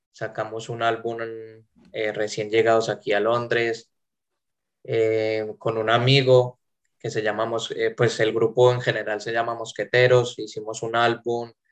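Monotone, flat intonation carries speech that moves at a fairly slow pace. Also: man, medium pitch for a man. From Spain, Madrid (born in Medellín, Colombia). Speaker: rapper. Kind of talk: casual chat.

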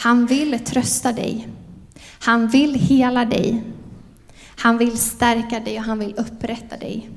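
In a room with audible echo, a woman with a fairly high pitch speaks very slowly in a monotone, flat intonation. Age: 30s. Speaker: guest preacher. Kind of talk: sermon.

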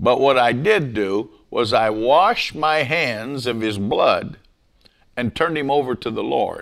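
On a very clean recording with a silent background, a man with a normal speaking voice talks at medium pitch with lively intonation. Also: fairly slow pace. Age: 50s. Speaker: evangelist, host's father. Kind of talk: casual chat with preaching.

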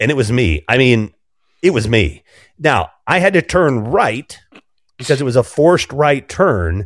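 A man with an American accent talks at a fairly slow pace, his medium-pitched voice showing vocal fry and very wide pitch swings at a very even loudness. The recording is very clean and dry, close-miked with no echo and a silent background. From US Midwest. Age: 50s. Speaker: podcaster. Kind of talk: casual chat.

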